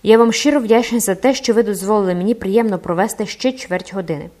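A woman's voice: medium pitch, fast, warm tone, lightly acted. A woman doing a swaggering young captain. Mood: mocking. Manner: brash, hot-tempered and mocking. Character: boastful swaggering young male army captain.

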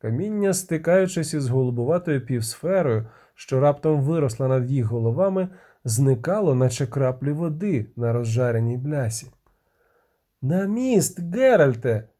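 A man's voice: medium pitch, lively intonation, normal speed, dark tone. Man reading a tense fantasy audiobook. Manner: tense, vivid storytelling. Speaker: audiobook narrator. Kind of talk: dramatic fantasy audiobook narration.

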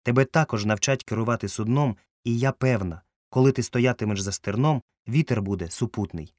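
A gentle, kind mother, voiced by a male reader speaking softly and reassuringly in a mid-range voice. The recording is close and dry. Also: mid-range voice, fairly quick, no echo, lightly acted. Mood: tender.

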